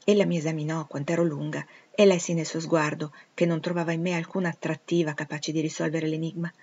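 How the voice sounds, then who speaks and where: A woman's voice: sits low, flat delivery, fast, darkish tone, muffled recording. Woman reading a classic novel aloud. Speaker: audiobook reader. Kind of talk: literary audiobook narration.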